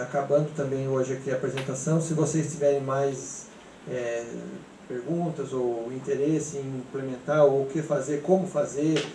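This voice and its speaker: Brazilian male host, mellow and halting, echoey seminar room. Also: mid-range voice. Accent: Brazilian Portuguese. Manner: hesitant, many fillers and restarts. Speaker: event host. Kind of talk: hesitant, informal presentation moderation. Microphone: handheld mic. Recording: echoey room from a distance, faint noise.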